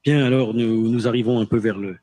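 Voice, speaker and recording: A man moderating a panel discussion, speaking haltingly and often repeating words as he goes. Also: mid-range voice, steady tone, mellow.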